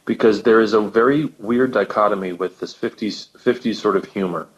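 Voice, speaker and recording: A man's voice: on the low side, brisk, lo-fi sound. A man chatting on a podcast as guest co-host, talking with eager enthusiasm and often repeating words as he goes. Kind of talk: casual podcast conversation.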